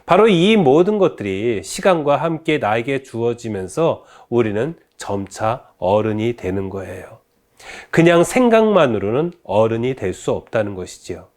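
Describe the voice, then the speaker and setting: A man's voice: medium pitch, sing-song, normal speed, darkish tone. A man giving a Catholic faith education lecture, telling stories and asking rhetorical questions, with many filler "ye"s.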